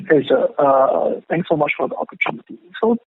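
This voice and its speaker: A husky, gravelly male voice, a little high in pitch, comes over a thin telephone line. He is an analyst putting questions to company management. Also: lively intonation, moderate pace. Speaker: caller, financial analyst. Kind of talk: asking questions on an earnings call. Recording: narrow-band telephone line.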